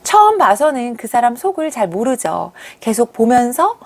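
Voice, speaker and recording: A woman hosting a video channel, giving a scripted explainer narration in a gentle, chatty way to her viewers. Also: fairly high pitch, big pitch swings, normal speed. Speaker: channel host.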